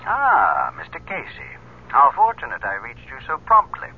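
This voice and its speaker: An actor playing a pompous, condescending cult leader who talks with hesitant courtesy and quiet menace in a 1970s radio drama. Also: male voice, medium pitch, huge pitch swings, normal speed. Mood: smug, mocking. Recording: tinny phone-like sound, noisy old radio tape.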